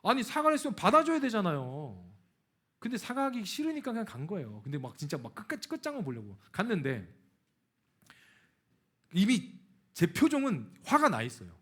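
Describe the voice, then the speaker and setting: A middle-aged male pastor preaching in a church. His higher voice swings widely in pitch as he acts out the dialogue in his story. The tone is a little husky. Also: brisk, pauses often. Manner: animated, acts out quoted dialogue. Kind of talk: sermon with personal story. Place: church sanctuary.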